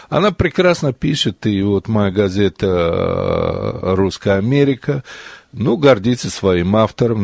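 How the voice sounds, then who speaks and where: A man hosting a radio talk show from a studio, talking in a measured, deliberate way with small fillers as he interviews a guest. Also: fairly low pitch, creaky, a little mellow, no room sound. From former Soviet Union. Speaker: radio host. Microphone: studio mic.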